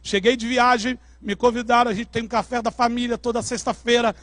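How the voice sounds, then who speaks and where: Brazilian male preacher, very high voice, dramatic testimony with shouted peaks, dry sound. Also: flat delivery, fairly quick, no echo. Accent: Brazilian Portuguese. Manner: dramatic storytelling, shouting at climaxes. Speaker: pastor. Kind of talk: sermon testimony. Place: church service.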